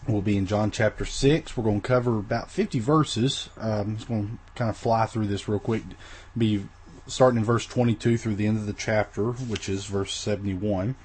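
A man's voice: on the low side, steady tone, normal speed, a little mellow, breathy edge. A man teaching a recorded Bible lesson in a casual, rambling way, with many fillers and restarts, his voice weak after the flu.

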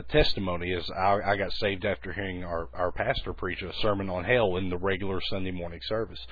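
Man with a low bass voice, husky, folksy teaching tone, dry tinny recording. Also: no room sound. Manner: folksy, conversational, many restarts. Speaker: children's ministry teacher.

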